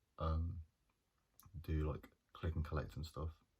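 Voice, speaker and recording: At a moderate pace, a man speaks in a very deep, low, somewhat breathy voice with monotone, flat intonation. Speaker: journalism student. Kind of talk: casual vlog reflection. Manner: halting, many fillers.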